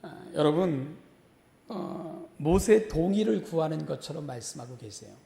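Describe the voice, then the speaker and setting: Gravelly male pastor preaching in a church hall. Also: fairly high pitch, animated, unhurried, dark tone. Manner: acts out quoted dialogue between God and Moses in casual speech. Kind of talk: sermon. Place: church sanctuary.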